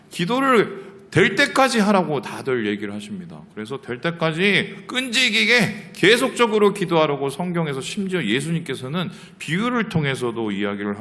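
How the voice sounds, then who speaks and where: A man's voice: on the high side, normal speed. A man preaching a sermon as pastor of his church, asking the congregation questions and acting out the lines of people in the story. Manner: lively, asks the congregation questions and acts out quotes. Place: church sanctuary. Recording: hall reverb from the church. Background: congregation reading aloud together.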